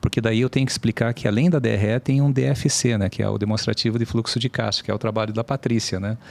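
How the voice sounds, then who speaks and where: Speaking very fast with hardly any pauses, a man uses a medium pitch and ordinary pitch variation, with a dry, close sound and no echo. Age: 60s. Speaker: business consultant. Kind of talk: podcast conversation.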